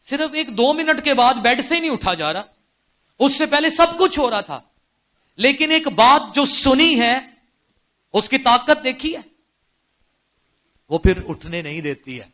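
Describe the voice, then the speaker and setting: A high-pitched man with a Pakistani accent preaches to a church congregation, his voice bright and forceful. He throws rhetorical questions at the listeners and moves between hushed storytelling and loud, ringing exclamations. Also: animated, pauses often. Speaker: pastor. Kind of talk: sermon. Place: church service before a congregation.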